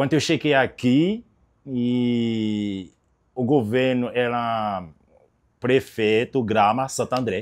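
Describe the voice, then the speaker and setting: In a Haitian Creole accent, a man talks very slowly at a medium pitch with ordinary pitch variation and long, frequent pauses. The recording is very clean, with a silent background. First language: Haitian Creole (speaking Portuguese). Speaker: immigrant activist and researcher. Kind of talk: interview.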